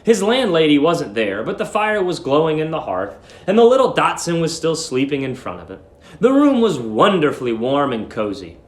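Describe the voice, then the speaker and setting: A man's voice: on the high side, huge pitch swings, moderate pace, reverberant. A man narrating a short story as a dramatic reading.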